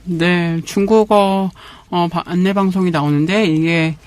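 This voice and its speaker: A man's voice: sits high, fairly even intonation, measured pace, clean tone, no room sound. A man hosting a broadcast interview, asking questions in polite, formal speech. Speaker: interviewer, programme host.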